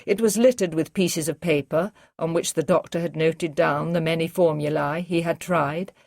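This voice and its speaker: A woman narrating an audiobook in a steady, clear storytelling manner. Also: deep voice, normal speed, no echo, studio quality. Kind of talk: scripted narration.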